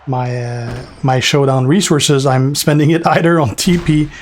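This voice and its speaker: A man's voice: medium pitch, unhurried, slight background noise. A man in his forties, French by first language and with a French accent, chatting loosely with his live-stream viewers and answering them by name. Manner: relaxed, rambling, answers chat by name, fillers. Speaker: gaming streamer. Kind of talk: casual live-stream chat.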